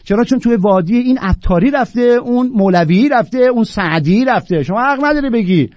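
A man giving an impassioned lecture on Sufi poetry, swinging from loud declaiming to low, blunt, mocking asides. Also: expressive, no room sound, muffled recording.

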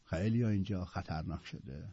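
A man's voice: low voice, warm tone, slightly rough, muffled recording. A man teaching classical Sufi poetry, reciting verses with rising emphasis and then explaining them in loose, casual talk.

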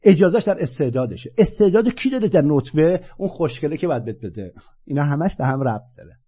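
A man giving an impassioned spiritual talk, swinging from low murmurs to loud, animated bursts. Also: breathy edge. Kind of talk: impassioned monologue. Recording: dull lo-fi recording.

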